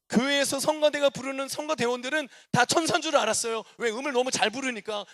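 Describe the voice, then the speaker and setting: A man preaching a testimony sermon as a guest preacher. His delivery is animated, with loud declarations and soft asides. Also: very high-pitched. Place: church sanctuary.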